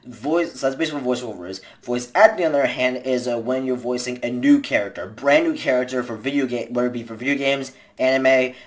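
A young man in his twenties talks straight into a desk webcam in a small bedroom, giving casual tips. His delivery rambles, with constant restarts and filler words, and he gestures with both hands as he talks. His voice sits at an ordinary middle pitch for a man. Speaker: vlogger giving voice acting tips. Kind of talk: casual advice talk to camera. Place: small bedroom indoors, seated in a gaming chair. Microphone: webcam at desk distance.

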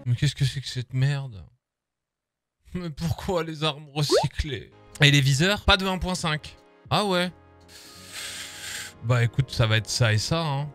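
A man's voice: on the high side, animated, unhurried, pauses often, a bit bright, soft background music. A man with a French accent, casually commenting on a game update while joking and swearing as he reads patch notes aloud. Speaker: gaming streamer. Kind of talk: casual live-stream commentary.

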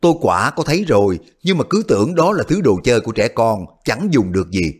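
A man playing a bold, crafty hero in an audio wuxia story. He feigns innocence with a teasing tone, his pitch lively. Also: a little fast, breathy edge. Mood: mock-innocent.

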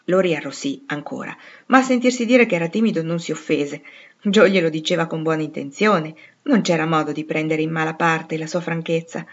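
A woman reading a classic novel aloud, with measured, expressive storybook narration. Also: deep voice, highs cut off. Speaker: audiobook reader.

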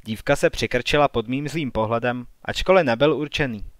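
A man's voice: mid-range voice, dry recording, clean studio sound. A man narrating an audiobook in the first person, reading evenly and with measure.

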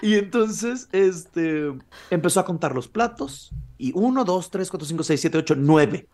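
A man's voice: high-pitched, a little slow. A man, a podcast co-host casually telling a horror legend and acting out the quoted lines. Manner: animated, acts out quoted lines.

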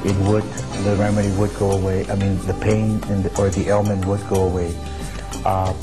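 A very deep-voiced man from Texas speaks in a flat, even tone as he recalls remedies. He pauses often and fills the gaps with "uh", while clear music plays beneath him. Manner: halting, with many fillers. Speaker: interviewee. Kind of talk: personal recollection.

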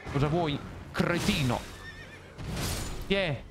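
A young man streaming a game live, reacting loudly and hurling playful insults at enemies. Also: a little high, slow, noisy background. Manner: excitable, swears and yells insults at enemies. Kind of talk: live gameplay commentary. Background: game music.

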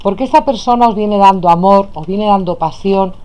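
This tarot reader, a woman with a Spain Spanish accent, speaks briskly in a mid-range, dark, clean-toned voice, though the audio quality is poor. She warmly calls viewers "my loves" while flipping cards at an indoor table. Only her hands appear on screen.

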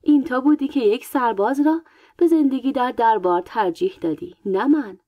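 A woman reading a story aloud, voicing a proud, vain young queen in a lightly brighter tone. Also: fairly high pitch, dry recording, muffled recording, natural voice. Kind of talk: audiobook character voice.

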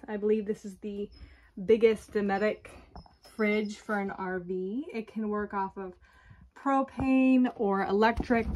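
A woman giving an unhurried walkthrough tour of her camper, plainly pointing out features one by one, recorded on a handheld phone inside the trailer. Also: mid-range voice, a little mellow. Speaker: owner giving a home tour.

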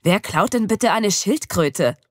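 A woman doing a slow, skeptical young man. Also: medium pitch, expressive, no echo. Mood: dry. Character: laid-back young man, dry and skeptical. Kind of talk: audiobook dialogue reading. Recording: dry studio.

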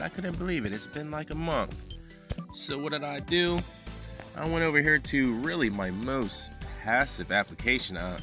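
A young man hosting an app review vlog, talking with energetic, salesy hype and catchphrases on a lapel mic. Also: medium pitch. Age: young adult. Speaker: host.

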